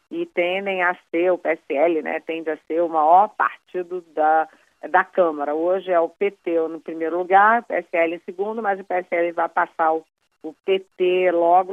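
A woman's voice: lowish voice, no echo. A Brazilian woman calling in to a radio news show, explaining politics in a chatty, conversational way with frequent fillers. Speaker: political commentator. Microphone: phone call. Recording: tinny phone line.

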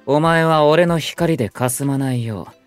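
A man's voice: fairly high pitch, measured pace, faint music behind, natural voice. An actor playing a stern, proud, aloof young male idol in a Japanese voice drama, with curt, formal and haughty speech. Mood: proud, severe. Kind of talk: Japanese anime-style voice drama acting.

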